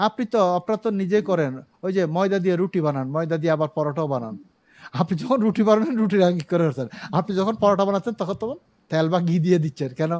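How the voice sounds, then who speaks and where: A man's voice: high-pitched, rapid-fire, darkish tone. A man teaching English over a video call, speaking in a slightly raised voice. He explains patiently, repeats key words and draws on everyday examples. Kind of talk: online English grammar class.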